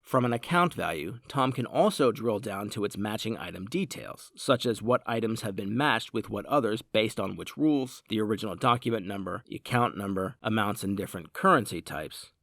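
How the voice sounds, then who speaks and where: A man narrating a scripted software demonstration in a measured, explanatory way. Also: on the low side, lively intonation, creaky, no echo, clean studio sound. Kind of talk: scripted product tutorial narration.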